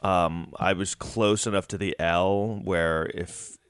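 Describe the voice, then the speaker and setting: A man's voice: low voice, fairly even intonation, slow pace, smooth, no echo, clean studio sound. A man from Manhattan with an unusual, snobby, affluent-sounding voice, chatting casually and self-deprecatingly. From Manhattan, New York.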